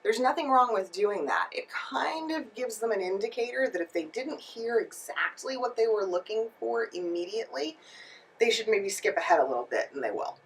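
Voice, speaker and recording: A woman's voice: a little high, expressive, moderate pace, recorded from a distance, poor audio. A woman giving instructional tips to camera as a voice-over coach and host, emphatic and speaking directly to her viewers. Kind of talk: instructional video talk to camera.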